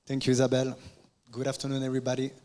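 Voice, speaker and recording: A man's voice: medium pitch, monotone, racing, a little mellow. A man with a French accent, a native French speaker, giving an argumentative academic talk to an audience. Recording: clear background room noise.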